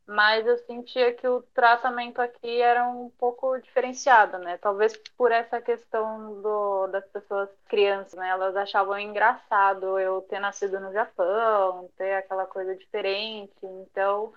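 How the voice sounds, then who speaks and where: A woman's voice: mid-range voice, level tone, moderate pace, few pauses. A young woman chats as a podcast guest, filling her talk with small fillers and brief laughs. Her voice sits mid-range for a woman. The sound is a little dull and lo-fi. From São Paulo, Brazil. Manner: chatty, many fillers, light laughs. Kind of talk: conversational interview.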